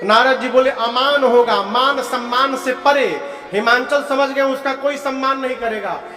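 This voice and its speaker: High-voiced preacher telling scripture stories. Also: male voice, sharp tone. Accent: Eastern Uttar Pradesh (Purvanchal). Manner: storytelling, questions the audience, chants verses slowly. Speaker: kathavachak preacher. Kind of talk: devotional sermon with sung verses. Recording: echoey hall with faint music.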